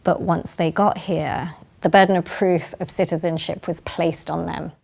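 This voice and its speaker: A woman's voice: fairly low pitch, fairly even intonation, normal speed, gravelly, darkish tone. A woman, a playwright, talking in an explanatory interview style.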